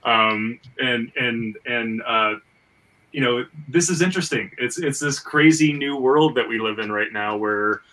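A man's voice: mid-range voice, unhurried, bright, forceful tone. A man hosting a casual podcast discussion, talking in an enthusiastic, rambling way with repeated stammers, recorded at some distance from the mic. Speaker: podcast host and comic book writer.

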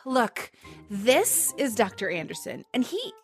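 A woman's voice: fairly high pitch, big pitch swings, takes it slowly, soft background music. Playful woman joking between voice takes. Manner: playful, self-mocking, chatty between takes. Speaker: voice actress. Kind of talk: voice recording session outtakes. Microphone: studio microphone.

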